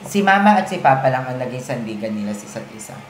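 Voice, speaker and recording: A woman from Pangasinan co-hosting a casual podcast, telling family stories in an animated, candid way. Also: a bass voice, quick pace. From Philippines, Pangasinan. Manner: animated storytelling, emotional and candid. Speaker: podcast co-host. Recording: roomy echo, faint background noise.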